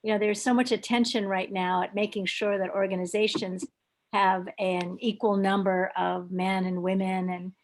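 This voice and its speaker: An older woman from Hawaii, speaking in a meeting with many pauses, ums and restarts. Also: medium pitch, level tone. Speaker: club member at a video meeting. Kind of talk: hesitant casual remarks.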